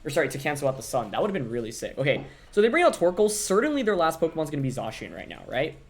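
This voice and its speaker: A young man narrates his own competitive match, thinking aloud and questioning each move. His voice jumps around with lively pitch. Quiet background music sits under his desk-mic commentary. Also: very fast. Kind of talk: live gameplay commentary.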